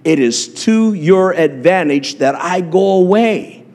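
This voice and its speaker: A man delivers a sermon in a church, pressing his points again and again with fillers and restarts. His voice sits fairly high for a man. The church hall rings with a long reverb around him. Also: lively intonation, slow, a little mellow. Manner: impassioned, repetitive preaching with frequent fillers. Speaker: pastor.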